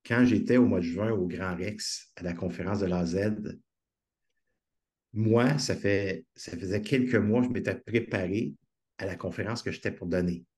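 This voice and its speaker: A man's voice: sits low, moderate pace, darkish tone. A man with a Québécois French accent, a guest speaker telling stories in a conversational interview, earnest and enthusiastic, on a video call.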